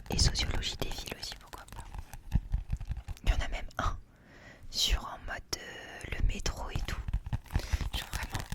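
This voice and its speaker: A young adult woman chats informally about books in a soft library whisper, ASMR style, rambling with youthful slang. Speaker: ASMR book vlogger. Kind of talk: ASMR book haul chat.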